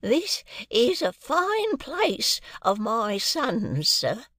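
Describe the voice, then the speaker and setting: A man voicing a cheerful, very old deaf man who talks loud, high and quavering. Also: wildly swooping pitch, very slow, no room sound, clean studio sound, full character voice. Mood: delighted. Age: older.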